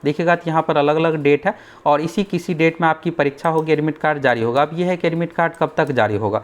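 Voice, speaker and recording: A young man with a slightly high voice briefs exam candidates as their coaching teacher. He talks straight to the students, keeps telling them to look at each point, and pushes his course. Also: quick pace. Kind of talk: explainer video on exam updates.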